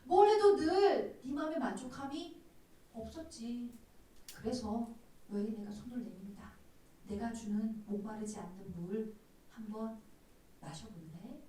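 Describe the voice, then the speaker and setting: A gentle, pleading savior speaks softly and coaxingly, as a woman pastor voices him. The voice sits high and lilts widely. It sounds distant in a very echoey room. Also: very animated, moderate pace. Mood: tender, pleading. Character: gentle divine male savior, tender and pleading.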